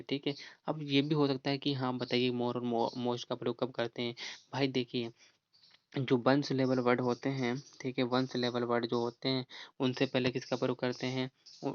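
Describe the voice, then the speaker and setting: Guy explaining grammar rules, even flat delivery, kinda muffled dry sound. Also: mid-range voice, clear, resonant tone. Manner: explanatory, repeats "theek hai?" often, reads rules slowly. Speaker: teacher. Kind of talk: exam-prep grammar lesson.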